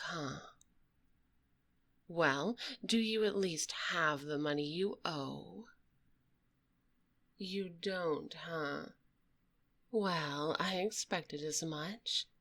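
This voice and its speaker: A woman playing a sassy, menacing female dragon debt collector for the mob in a close, soft-spoken ASMR roleplay, with a cool, taunting, condescending delivery. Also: sits low, full character voice. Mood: cool, probing. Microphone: close binaural microphone.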